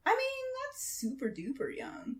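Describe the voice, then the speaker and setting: A woman's voice: sits high, huge pitch swings, unhurried. A woman co-hosting a casual pop-culture podcast, enthusiastic and peppering her talk with "like". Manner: enthusiastic, heavy use of "like". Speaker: podcast co-host. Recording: echoey room.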